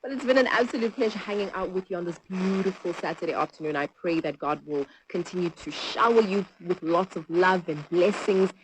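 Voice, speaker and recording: A woman's voice: lowish voice, fairly quick, hardly any pauses, noisy background. A woman presenting live radio in a chatty style, heard through a small radio speaker.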